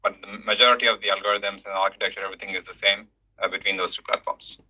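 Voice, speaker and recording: Fast-talking, low, sharp-voiced man. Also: level tone. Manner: choppy, repeats words, peppers speech with "like". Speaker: company engineering leader answering questions. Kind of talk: casual technical explanation on a call. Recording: dull lo-fi conference call audio.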